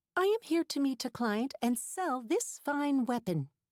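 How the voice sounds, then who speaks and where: A put-on character voice, female-sounding and high-pitched, calm in tone at a moderate pace. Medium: read story. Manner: calm, formal, no contractions.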